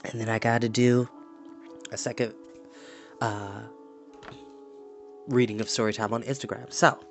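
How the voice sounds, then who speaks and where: A man hosting a storytime, chatty and animated, moving between casual talk and story reading. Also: mid-range voice, measured pace. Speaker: storytime host and reader. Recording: music playing in the background.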